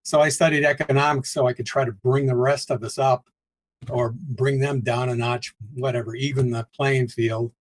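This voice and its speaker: A man's voice: medium pitch, fairly even intonation, normal speed, rough recording. An older man from the Pittsburgh area, a guest in a conversational interview, speaking reflectively and chuckling often between points. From United States, Pittsburgh area.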